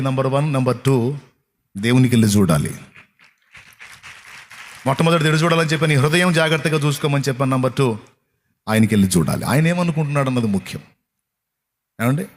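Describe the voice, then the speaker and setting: Man, high-pitched, preacher, rhetorical, mocking, scolding. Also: fairly bright tone. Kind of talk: sermon.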